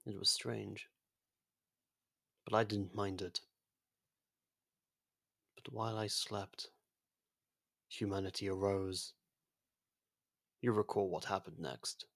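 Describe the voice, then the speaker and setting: Ancient world-ending entity for ASMR audio roleplay, male performer. Gravelly, even delivery, soft, formal and gently confiding. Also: on the low side, slow, long pauses, dry recording, clean studio sound, heavily acted. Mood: solemn, detached. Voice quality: husky, creaky, soft. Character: ancient genocidal otherworldly being, imprisoned, now courteous and fond.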